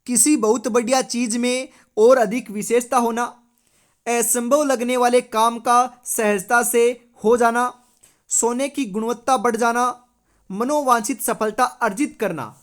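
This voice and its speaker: A woman from India leads an exam-prep lesson in a fairly high voice. She reads each question and its options aloud. She confirms every answer with the same stock phrases. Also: steady tone, unhurried. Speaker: teacher.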